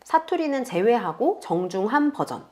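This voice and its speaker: A woman teaching beginners step by step in a calm, patient screen tutorial, speaking close to the mic. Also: on the high side, slight background noise. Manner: patient, explains slowly to beginners. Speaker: online tutor.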